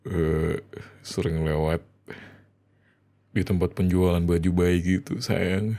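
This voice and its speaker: A man with an Indonesian accent playing a loving, emotional young husband in an intimate ASMR roleplay, speaking tenderly and haltingly. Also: deep voice, vocal fry, heavily acted. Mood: wistful, touched. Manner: tender, halting, soft chuckles and whispers. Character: loving young husband, overjoyed about becoming a father.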